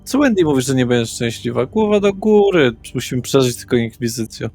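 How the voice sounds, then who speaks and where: A man's voice: mid-range voice, sing-song, brisk, darkish tone. A man acting as game master, improvising narration and character dialogue for a tabletop role-play. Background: faint music.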